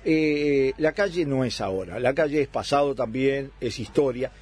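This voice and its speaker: A man's voice: mid-range voice, normal speed, darkish tone, husky. A man in his sixties, born in Italy, arguing his side as a guest in a political radio debate. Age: 60s.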